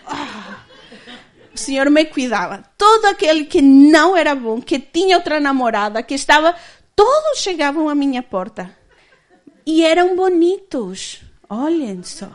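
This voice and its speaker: A woman in her thirties giving a candid personal testimony as a church speaker, often laughing as she tells it. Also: high-pitched.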